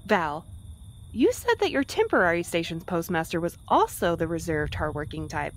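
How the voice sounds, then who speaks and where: A woman's voice: fairly low pitch, a little hiss or hum. A woman acting in a fiction podcast as a caring, romantic courier who speaks expressively and banters playfully. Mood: curious. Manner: expressive, solicitous, quick to banter.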